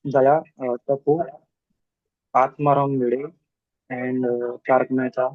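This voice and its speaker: A man's voice: mid-range voice, level tone, dry recording. Man's voice breaking up on a bad call. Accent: Indian English. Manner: halting, many hesitations. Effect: voice breaking up over a bad online connection. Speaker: student in online class. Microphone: video call. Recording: dull lo-fi call audio.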